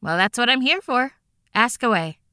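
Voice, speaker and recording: Chipper caseworker, bright crisp voice, reassuring. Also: female voice, on the high side, animated, normal speed, no room sound, studio quality. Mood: cheerful. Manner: cheerful, reassuring, businesslike. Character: upbeat adult woman housing caseworker. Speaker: housing phone agent.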